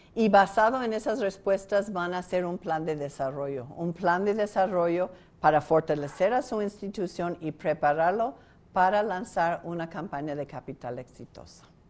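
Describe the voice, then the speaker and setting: With a non-native accent and lively intonation, a woman speaks at a moderate pace against a quiet background. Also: medium pitch for a woman. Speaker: fundraising expert, lecturer. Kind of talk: lecture with Q&A. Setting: conference with audience. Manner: hesitant, many fillers.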